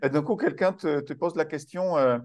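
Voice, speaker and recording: A man hosting a conversational interview, speaking in a halting, reflective way and repeating words as he thinks. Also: fairly high pitch, a little mellow. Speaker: host.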